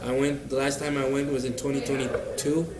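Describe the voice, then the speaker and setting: A man's voice: medium pitch, level tone, fairly quick, heavy background noise. A young American man, a university student, answering interview questions casually, hesitant with lots of fillers and repeats. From United States. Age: young adult. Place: busy cafe. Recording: roomy cafe with crowd chatter.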